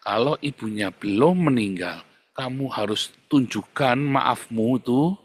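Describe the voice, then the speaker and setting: A male pastor preaching a sermon with emphatic delivery, often addressing listeners as brothers and sisters, swinging between loud outbursts and low, quiet lines. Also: unhurried, husky.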